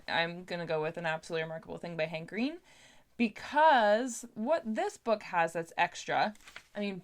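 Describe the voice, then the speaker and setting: A woman with a Canadian accent chatting casually to viewers as a book vlogger, informal and talkative. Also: medium pitch. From Ontario, Canada. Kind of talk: casual chat to camera.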